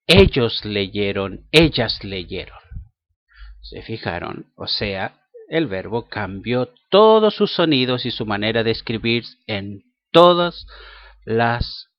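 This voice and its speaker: Slow-talking man teaching English. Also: on the low side, dry recording. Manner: slow, careful, spells words letter by letter. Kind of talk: bilingual language lesson. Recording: dull lo-fi sound.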